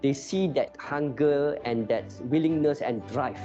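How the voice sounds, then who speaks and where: A man speaking as an investment agency spokesperson in a promotional interview, measured and emphatic. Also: medium pitch, dark tone. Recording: dull lo-fi audio with music bed. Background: background music.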